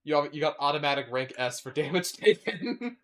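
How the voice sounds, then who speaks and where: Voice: medium pitch, animated, fairly quick, a bit bright. A game streamer giving casual, joking commentary over a let's play. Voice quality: joking, laughs often.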